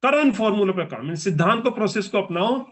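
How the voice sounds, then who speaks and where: A man's voice: high-pitched, expressive, quick pace. A man in his forties giving a motivational business training speech, emphatic and repetitive as he exhorts the audience. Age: 40s.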